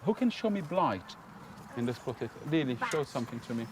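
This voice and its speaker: A man, a teacher giving an animated outdoor lesson to children. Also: medium pitch, fairly quick, background noise. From Brazil. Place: outdoors on a school field.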